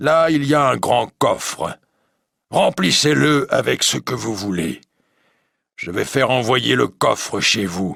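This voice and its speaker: In a put-on character voice, a man speaks at a fairly slow pace with long, frequent pauses. His medium-pitched voice is raspy and his tone is stern. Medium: read story. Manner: stern, commanding.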